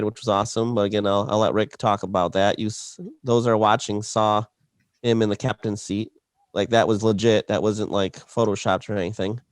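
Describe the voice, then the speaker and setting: A man's voice: on the low side, smooth, no room sound. A man co-hosting a podcast, telling a long, rambling story in casual chat, full of fillers and restarts. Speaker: podcast co-host.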